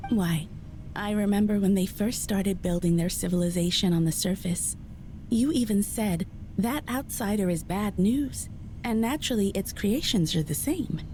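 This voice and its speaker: An actress playing a teasing, knowing otherworldly sister in a video game, with playful, refined phrasing. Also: female voice, mid-range voice, normal speed, dark tone, slight background noise, lightly acted. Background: faint background music.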